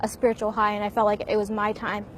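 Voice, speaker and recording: A woman's voice: mid-range voice, completely flat delivery, quick pace, a little hiss or hum. A young woman raised in the United States, who talks animatedly and mimics others' questions with sarcasm, recorded outdoors. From born in Pakistan, raised in the United States. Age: young adult. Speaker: university student interviewee. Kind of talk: candid interview answers.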